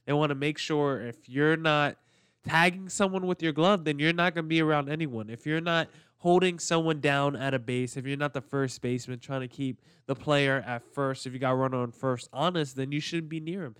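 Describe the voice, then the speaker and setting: A man's voice: a little high, steady tone, normal speed, fairly bright tone, clean tone, no room sound, studio quality. A man hosting a sports podcast in a conversational way, sounding slightly nasal and congested from allergies. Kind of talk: casual solo podcast commentary, with read-out sponsor spots.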